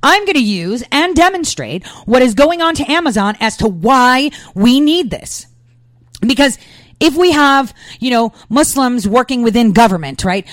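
A woman's voice: a little high, no room sound. A woman from the United States giving emphatic political commentary, peppering her talk with fillers and rhetorical questions.

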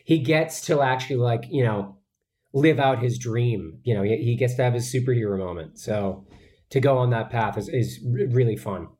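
A man's voice: medium pitch, moderate pace, a little mellow. A man, an actor, answering interview questions in an earnest, chatty way, with many fillers and restarts. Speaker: actor guest.

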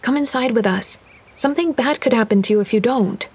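A woman voicing an eerie young girl in a high, hushed, ominous tone. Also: brisk, breathy edge. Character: eerie young girl who senses danger.

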